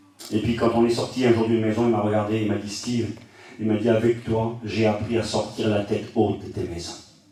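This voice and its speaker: Noticeable background noise and audible room echo around a man's moderately paced, medium-pitched voice. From France. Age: 40s. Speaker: pastor. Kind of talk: sermon. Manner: animated.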